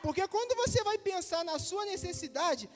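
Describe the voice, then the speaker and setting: A woman's voice: very high-pitched, animated, moderate pace. A woman preacher, giving an emphatic, conversational sermon in a church hall. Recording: reverberant church hall with soft music.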